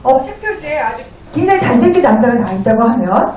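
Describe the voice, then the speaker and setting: A woman interpreting a lecture phrase by phrase in a polite, formal, somewhat halting way. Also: high voice, sing-song, darkish tone, a little hiss or hum. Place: echoey indoor venue. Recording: very echoey, distant room.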